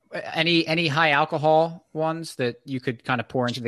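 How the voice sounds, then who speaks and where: A man's normal speaking voice, a normal speaking voice with ordinary pitch variation. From Pennsylvania. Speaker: podcast co-host. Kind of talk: casual podcast chat.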